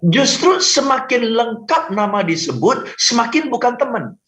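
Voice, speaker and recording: A man, a sales trainer, giving advice on a radio talk show, animated, laughing often, acting out phone calls and mixing in English phrases. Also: very high-pitched, a little slow, reverberant, crowd noise. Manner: mixes English phrases into speech.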